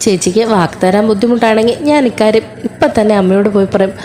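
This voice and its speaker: A woman's voice: medium pitch, steady tone, fast talker, warm tone, faint music behind, close to an everyday voice. A woman voicing a tearful young brother. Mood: insistent.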